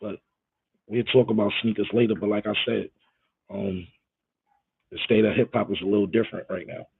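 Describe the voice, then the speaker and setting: A man hosts a casual live stream, rambling and emphatic as he talks straight to his viewers. His voice is husky and gravelly, sitting at an ordinary pitch. The audio is thin and phone-like, with no room sound. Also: steady tone, moderate pace, no echo.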